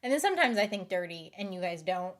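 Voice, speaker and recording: A woman's voice: fairly low pitch, big pitch swings, quick pace. Chatty woman with a light Southern accent. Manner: rambling, giggly, restarts and overthinks aloud. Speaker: live streamer. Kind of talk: casual chat with stream viewers.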